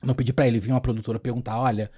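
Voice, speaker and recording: Fast-talking Brazilian man telling stories. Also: medium pitch, slightly rough. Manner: animated, laughing, acts out scenes. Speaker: podcast guest, comic actor. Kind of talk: casual anecdotal storytelling.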